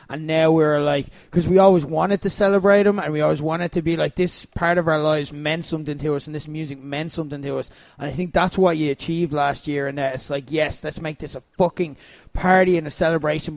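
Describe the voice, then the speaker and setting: A man's voice: fairly high pitch, darkish tone, no room sound. A man hosting a podcast, chatting casually, gushing and laughing often, with some swearing. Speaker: podcast host. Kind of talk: casual chat.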